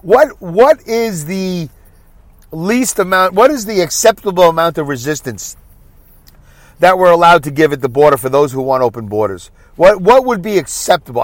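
His voice sits on the high side with no echo, and his nose is clearly blocked up. He's a podcaster doing a solo, meandering chat behind the wheel in traffic, poking fun at himself as he goes.

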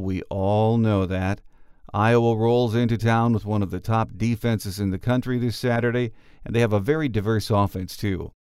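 A man's voice: fairly low pitch, darkish tone, clean tone, no room sound. Earnest man hosting a sports podcast. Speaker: podcast host. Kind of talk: scripted podcast intro and commentary.

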